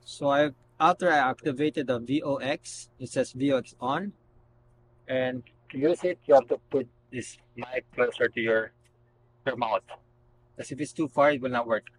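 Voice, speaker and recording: A man doing a casual, unscripted product demonstration, explaining step by step in a halting way. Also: medium pitch, steady tone, low-quality recording. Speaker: product reviewer. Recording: noticeable background noise and hum.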